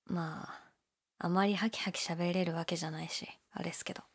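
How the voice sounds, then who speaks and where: A young woman playing a laid-back, shyly candid gyaru convenience-store clerk in an audio drama, with a breathy, hesitant, mumbled delivery. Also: steady tone, a little fast. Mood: low-key, candid. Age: young adult. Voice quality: low, breathy. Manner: listless, hesitant, mumbled casual polite speech. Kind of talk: male-oriented situation voice drama, casual chat.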